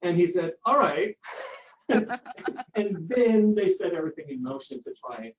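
A man's voice: high voice, very animated, measured pace. A middle-aged Danish-accented man, a parasitology researcher, telling a chatty story with lots of fillers and acted-out dialogue. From Denmark. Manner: chatty, acts out quoted dialogue, frequent fillers. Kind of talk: relaxed anecdotal storytelling. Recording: roomy distant muffled audio with faint ambience.

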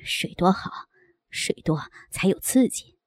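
Woman narrator doing a soft-spoken coaxing man: gravelly, husky half-whisper. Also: on the low side, lively intonation, moderate pace, no echo, clean studio sound, voice pushed down, heavily acted. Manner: tender, wheedling.

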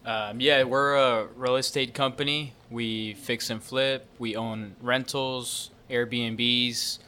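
A man in his thirties, from Mexico, talks as a guest in a relaxed interview. His voice is bright and clear, at a middle pitch. He speaks plainly and often repeats words as he gets going. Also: slow. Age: 30s. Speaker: guest, real estate entrepreneur. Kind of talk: casual interview.

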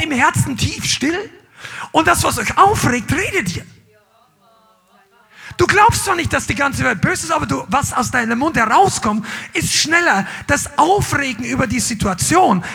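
A middle-aged man preaching a sermon to a congregation, swinging between loud calls and low asides. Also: gravelly, husky. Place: church hall with live congregation.

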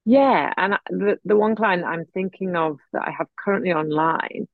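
A woman's voice: fairly low pitch, moderate pace, dry recording, phone-quality sound. A middle-aged woman from North Yorkshire with a general English accent, chatting as a guest art therapist in a self-deprecating way. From North Yorkshire, England. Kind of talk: casual chat. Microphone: video call.

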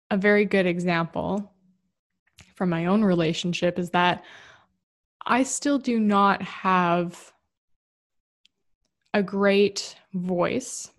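A woman giving a candid, rambling casual monologue about relationships, often restarting her sentences. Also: on the low side. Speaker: relationship and spirituality talker.

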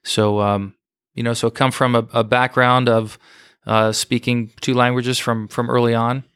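Interview guest, man in his forties from New York, smooth, flat delivery, filler-heavy and unassuming. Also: medium pitch, normal speed, no echo, clean studio sound. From United States, New York. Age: 40s. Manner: steady, modest storytelling with frequent fillers. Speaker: guest, former fighter pilot. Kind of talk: casual podcast interview.

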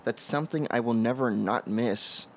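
A man's voice: mid-range voice, moderate pace. A man co-hosting a podcast, talking in an earnest, opinionated way with wry, self-aware humor. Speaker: podcast co-host. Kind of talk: casual tech chat.

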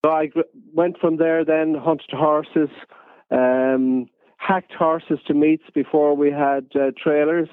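A man with a west of Ireland accent, telling anecdotes as a radio interview guest in an unhurried storytelling way. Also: on the high side, fairly even intonation, no echo, narrow, tinny audio. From County Galway, west of Ireland. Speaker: interview guest, photojournalist and fox hunter.

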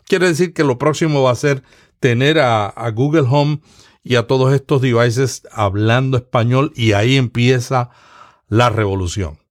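A man from Latin America hosts a podcast conversation at a mid pitch. He explains at length in a measured, steady way, often restarting a phrase before finishing it. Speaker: podcast host.

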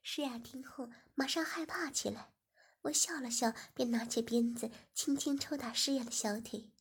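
A woman reads a first-person story aloud in a steady, low-key way. Her voice sits a little high, with a gravelly fry and a husky grain. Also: moderate pace. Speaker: story reader.

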